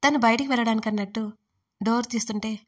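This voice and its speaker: Woman storyteller with a higher voice. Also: fast talker. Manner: expressive, conversational. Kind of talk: first-person story narration.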